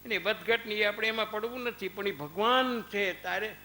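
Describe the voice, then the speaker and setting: A man with a fairly high, bright voice gives a spiritual discourse to a small group. His talk is chatty: he calls on listeners by name, tells anecdotes and recites verses between points. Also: moderate pace, slight background noise. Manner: conversational, addresses listeners by name. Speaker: religious discourse speaker.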